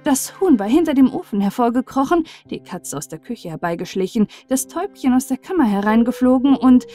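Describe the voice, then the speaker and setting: Mellow woman storyteller over faint music. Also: on the high side. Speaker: audiobook narrator. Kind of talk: expressive fairy-tale bedtime storytelling.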